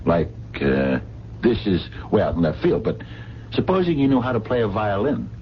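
On a muffled, lightly noisy 1970s radio recording, a worried working man at a diner. His colloquial, probing speech stumbles along and swings widely up and down in pitch. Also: wildly swooping pitch, moderate pace. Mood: casual, probing. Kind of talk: 1970s radio drama acting.

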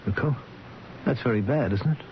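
A man's voice: mid-range voice, brisk, slight background noise, close to an everyday voice. An actor in a radio drama playing an anxious, impatient man who questions urgently and insistently. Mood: alarmed. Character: anxious, impatient man awaiting news of a patient. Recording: dull lo-fi radio broadcast.

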